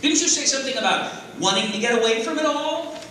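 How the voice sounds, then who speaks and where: An actor playing an eager, wisecracking little robot scout with an upbeat, teasing manner in a live script reading. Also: male voice, extremely high pitch, lively intonation, fast talker, bright, forceful tone, heavily acted. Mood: scolding. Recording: echoey hall from far off, noisy.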